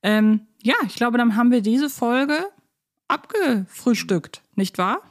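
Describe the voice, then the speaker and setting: A woman's voice: a little high, measured pace, no echo, studio quality. A woman in casual podcast conversation, chatty and articulate, freely giving her opinions. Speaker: podcast co-host. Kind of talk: casual unscripted podcast chat about audio dramas.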